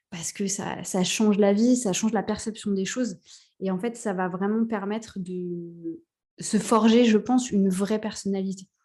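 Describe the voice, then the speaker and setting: A woman's somewhat breathy voice, dark and mellow in tone, keeps fairly even intonation against a quiet background. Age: 30s. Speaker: entrepreneur, podcast guest. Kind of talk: casual interview conversation. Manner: hesitant, many fillers.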